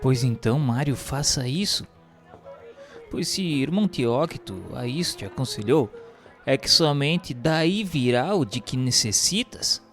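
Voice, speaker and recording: Expressive, concerned male friend, played by a man. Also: medium pitch, a little slow, soft background music. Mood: earnest, advising. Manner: earnest, expressive, questioning. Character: concerned, reasoning male friend giving counsel. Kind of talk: radio drama acting, formal speech.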